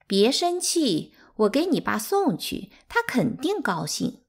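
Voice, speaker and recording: A woman's voice: high voice, very animated, slow pace, breathy edge, pitched above the performer's own voice, full character voice. A woman reading aloud, voicing a smug, mocking teenage servant girl who taunts the younger children. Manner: taunting, scornful.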